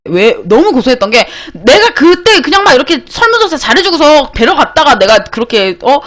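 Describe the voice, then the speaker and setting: High, fast-talking young woman storyteller. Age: young adult. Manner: animated, swears freely, breaks into loud bursts. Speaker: internet broadcaster. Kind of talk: casual storytelling to viewers.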